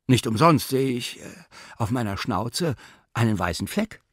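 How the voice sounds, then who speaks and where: A man's voice: mid-range voice, lively intonation, measured pace, slightly rough, no echo, studio quality. A man voicing a vain, scruffy male stray dog who muses to himself in a self-satisfied way.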